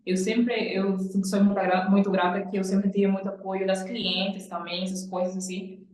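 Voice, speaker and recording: A woman's voice: mid-range voice, little pitch movement, moderate pace, a little mellow. A young Cuban woman, a nail designer, earnestly telling her personal story in an interview. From Cuba. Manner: earnest, repeats "literalmente" and "tipo". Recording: echoey room.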